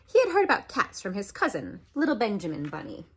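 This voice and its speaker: A woman reading a children's story aloud as an animated narration, expressive, with dramatic swoops and pauses. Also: mid-range voice, husky. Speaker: storybook reader.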